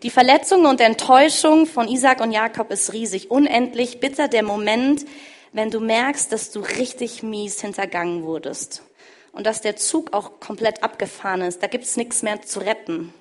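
A woman preaching, retelling a scripture story emphatically, swinging between loud stress and hushed endings. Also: fairly high pitch, moderate pace.

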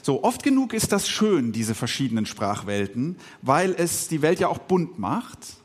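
A middle-aged man, a pastor who grew up speaking Swiss German, giving a reflective podcast sermon with pauses and filler sounds. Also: fairly high pitch, sing-song.

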